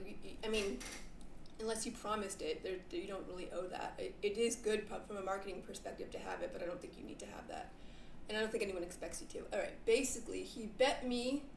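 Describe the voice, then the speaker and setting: A woman's voice: medium pitch, gravelly, darkish tone. Stoned, spacey woman in a roomy space. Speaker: streamer reacting to a debate. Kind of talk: casual rambling live commentary. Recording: roomy echo, noticeable background noise.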